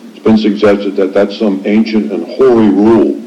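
An American man questioning formally from the bench as a judge, in measured, wordy legal phrasing. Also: fairly low pitch, steady tone, highs cut off. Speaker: appellate judge. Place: indoor courtroom.

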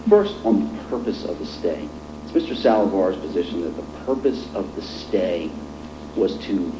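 Guy lawyer making his court argument, low voice, roomy echo. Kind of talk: formal appellate oral argument. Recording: echoey courtroom with clear noise and hum.

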